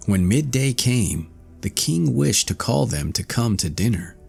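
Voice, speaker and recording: A man's voice: mid-range voice, big pitch swings, a little slow, vocal fry, a little mellow, slightly rough, soft background music. A man reading a fairy tale as an audiobook narrator, in a scripted storytelling style.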